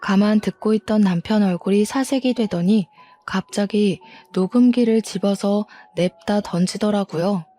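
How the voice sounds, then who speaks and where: Mellow, indignant woman storyteller. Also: mid-range voice, normal speed, soft background music. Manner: aggrieved, indignant. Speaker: storyteller narrating as a betrayed wife. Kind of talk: first-person story narration.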